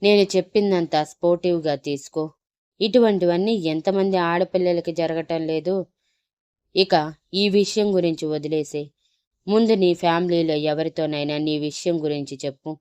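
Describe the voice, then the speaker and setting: A woman's voice: on the low side, fairly even intonation, a little mellow, clear, resonant tone, dry recording, lightly acted. A woman voicing an apologetic, matter-of-fact doctor speaking on the phone. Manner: apologetic then briskly advising.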